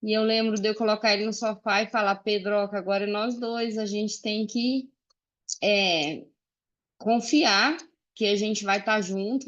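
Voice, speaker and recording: Mineira woman in her 40s on a video call, earnest, lots of little pauses, mid pitch. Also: a bit bright, dull audio. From Uberlândia, Minas Gerais, Brazil. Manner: earnest, pausing often with "é" and "né". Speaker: guest speaker. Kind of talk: personal testimony in a friendly chat.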